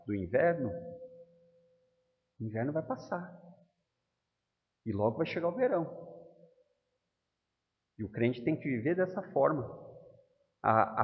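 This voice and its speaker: A man with a Brazilian Portuguese accent preaching an expository sermon, emphatic and asking the congregation questions. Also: medium pitch. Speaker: pastor. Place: church hall. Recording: dull, reverberant church recording.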